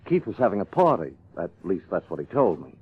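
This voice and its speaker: An actor playing a nervous, defensive theatrical agent, hesitant and flustered, in an old-time radio drama. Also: male voice, sits low, very animated, fairly quick, breathy edge, exaggerated voice. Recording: thin, phone-like old radio recording.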